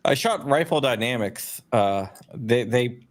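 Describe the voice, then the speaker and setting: A man's voice: mid-range voice, lively intonation, unhurried, a little hiss or hum. A man hosting a casual live chat, talking eagerly with stammering restarts. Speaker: host.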